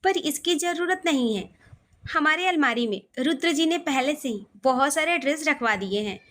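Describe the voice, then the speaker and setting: Woman voicing a gentle young bride. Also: high-pitched, expressive, moderate pace. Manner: soft, polite.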